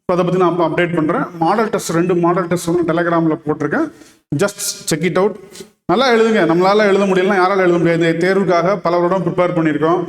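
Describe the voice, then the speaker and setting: A man with a Tamil accent, teaching an exam-prep lesson in Tamil mixed with English, who reads model answers out slowly. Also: sits high, fairly even intonation, roomy sound, in a large hall.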